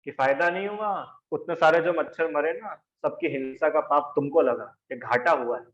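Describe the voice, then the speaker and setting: A man's voice: a little high, moderate pace, fairly bright tone. Man teaching in questions and answers. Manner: argues in rhetorical questions and answers, quizzes students by name. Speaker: religion teacher. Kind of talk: class lecture. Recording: roomy, dull lo-fi recording.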